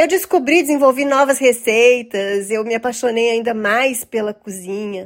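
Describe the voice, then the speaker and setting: A woman with a normal speaking voice talks at a moderate pace, her fairly high pitch showing ordinary variation. The recording is very clean, with a silent background. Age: 50s. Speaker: life coach and podcast host. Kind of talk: reflective monologue.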